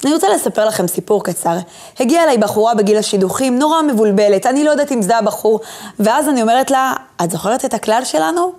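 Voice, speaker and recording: Her pitch is fairly high and her intonation lively as she lectures on self-image to inspire the listener. She speaks directly to the viewer and calmly instructs her through a set of breathing exercises.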